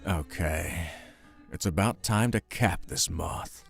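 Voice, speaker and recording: A man voicing a gruff, sardonic spider hitman in a comic dub, with a clipped, deadpan delivery. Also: deep voice, slow pace, exaggerated voice. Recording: music behind the voice.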